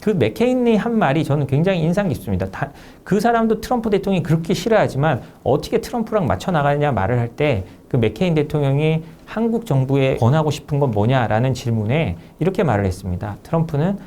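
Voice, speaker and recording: A man, an author being interviewed as a guest, giving measured and emphatic analytical explanations. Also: on the high side, lively intonation, dark tone, slight background noise.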